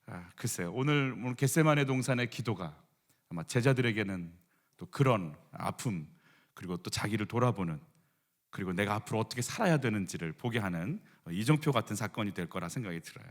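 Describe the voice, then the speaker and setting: Korean pastor preaching conversationally. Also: male voice, on the low side, lively intonation, brisk. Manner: warm conversational preaching, leads congregation in reading aloud. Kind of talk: sermon. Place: church sanctuary.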